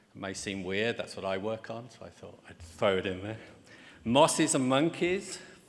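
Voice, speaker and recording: A man with a slight Birmingham accent speaks amid audible room echo. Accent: British, Birmingham, slight. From England, Birmingham. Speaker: department chair. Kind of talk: commencement speech. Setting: auditorium with audience.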